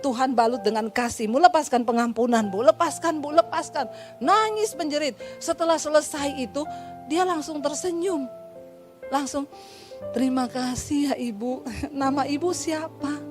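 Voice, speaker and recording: A woman pastor with an Indonesian accent preaching a sermon, telling stories lively and acting out the voices of the people in them with humorous asides. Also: sits high, moderate pace, over music. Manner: lively storytelling, acts out dialogue, humorous asides.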